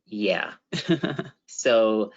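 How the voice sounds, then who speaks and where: A man co-facilitating an online workshop, reading out participant comments in a steady way with many fillers. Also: on the low side, extremely slow, dull audio.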